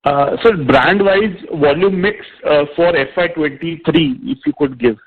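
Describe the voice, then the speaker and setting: A man's voice: on the high side, unhurried, husky. A man with an Indian accent asking questions as an analyst on an earnings call, polite and hesitant. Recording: thin, patchy phone line.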